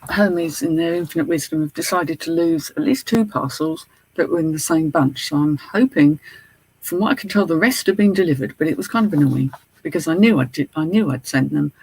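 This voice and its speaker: A British man with a slight lisp from a mouth appliance and a husky, gravelly voice, rambling chattily to live viewers. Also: fairly high pitch, fairly quick, darkish tone, no room sound, rough recording. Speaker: online reseller and streamer. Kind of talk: casual live chat to viewers.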